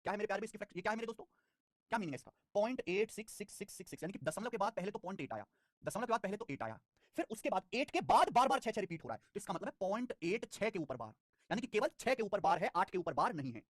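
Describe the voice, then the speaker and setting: Fast-talking lively male math teacher. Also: high-pitched, no room sound, clean studio sound. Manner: fast, lively, repeats digits and phrases; scolds students with life advice. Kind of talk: live online math class.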